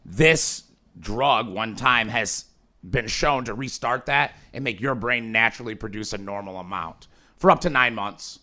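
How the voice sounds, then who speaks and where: Bright-voiced male podcast host. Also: fairly low pitch, unhurried. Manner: rambling, filler-heavy, animated. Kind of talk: casual conversation.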